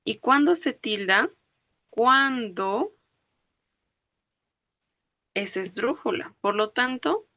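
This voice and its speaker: Bright-voiced woman teaching a language class. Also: medium pitch, no echo. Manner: explains step by step, checks understanding with frequent questions; spells out words syllable by syllable. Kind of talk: online class lecture.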